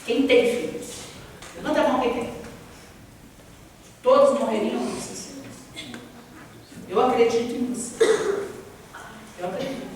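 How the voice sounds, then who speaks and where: A woman's voice: a little high, measured pace, pauses often, a little mellow. A woman pastor preaching a sermon, asking the congregation direct questions. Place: church hall. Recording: echoey church hall from far off, faint noise.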